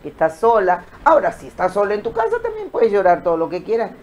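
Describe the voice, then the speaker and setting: A woman of middle pitch gives a motivational talk about emotions and the brain. She talks straight to her viewers with an expressive, teaching manner. She slips into other voices when she quotes people. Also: fast, lo-fi sound, a little hiss or hum.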